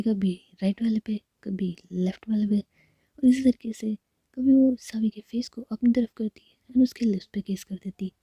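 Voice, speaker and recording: Whispering woman storyteller, very breathy. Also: mid-range voice, dry recording. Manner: soft intimate whisper, slow. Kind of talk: whispered ASMR romance narration.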